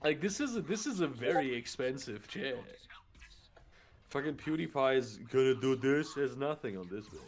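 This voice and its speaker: A man's voice: medium pitch, lively intonation, normal speed. A man chatting on a stream call in a casual, joking way, swearing freely and sounding sleepy, speaking into a mic covered in socks. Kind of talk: casual banter. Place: at home in a chair. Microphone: desk mic wrapped in socks.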